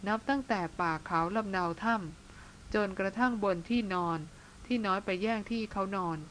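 A woman's voice: mid-range voice, moderate pace, a bit bright, a little hiss or hum, natural voice, rough recording. A woman reading the part of a spirited young woman who speaks earnestly and affectionately to her older brother.

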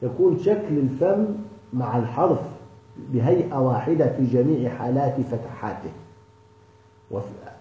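A man's voice: medium pitch, expressive, dark tone. Guy teaching quran pronunciation, lots of stop-start restarts, roomy echo, kinda dull muffled sound. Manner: hesitant, with many restarts and drawn-out fillers. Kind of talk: explaining tajweed in a class session. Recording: echoey, dull lo-fi room recording.

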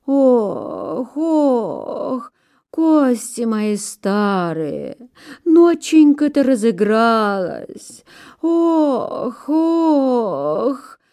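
A woman's voice: fairly high pitch, sing-song, very slow, warm tone, voice pushed up, exaggerated voice. A woman voicing a groaning old pine tree. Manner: sighing and wailing. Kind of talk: storybook reading.

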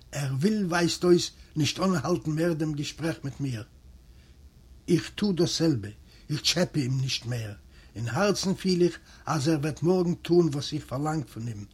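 A native Yiddish-speaking man with an Eastern European accent reads a memoir aloud in a husky voice that sits a little high. He moves through narration and dialogue, giving each character a voice of his own. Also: a little mellow. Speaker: audiobook reader. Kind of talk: literary reading of a memoir.

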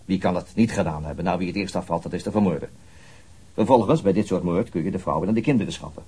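A man's voice: low-pitched, quick pace, warm tone, slightly rough. A man playing a methodical middle-aged police detective and father in a naturalistic radio drama, dryly reasoning things through. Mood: patient, reasoning.

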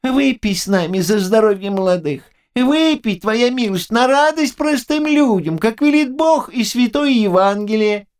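An old peasant matchmaker, begging for mercy in a thin, high, quavering voice that climbs far above a man's usual range. The words stretch out slowly, bowing and pleading, with a wide, lively swing in pitch. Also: smooth. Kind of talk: audiobook character voice.

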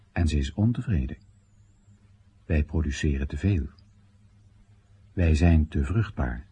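A man's voice: on the low side, warm tone, breathy edge, full character voice. An actor playing an exasperated, ironic Chinese citizen addressing his comrades in emphatic short phrases, in a theatrical radio play monologue. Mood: wry, confiding.

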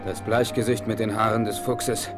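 An actor playing a grave, terse Native American chief in a western radio play. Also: male voice, fairly low pitch, level tone, close to an everyday voice. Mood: solemn. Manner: solemn, measured. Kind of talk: 1970s German radio play acting. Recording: radio play with loud music behind.

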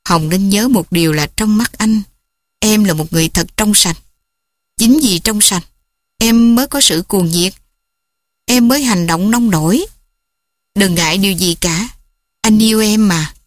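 A woman's voice: mid-range voice, unhurried, pauses often, no echo, clean studio sound, close to an everyday voice. A woman voicing an earnest young man pleading with his love's father.

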